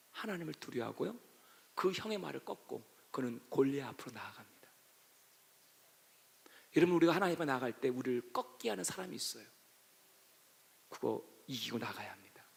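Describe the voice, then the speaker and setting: Male pastor, high animated voice, forceful dramatic preaching from hush to shout, long church hall reverb. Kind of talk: sermon. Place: church sanctuary.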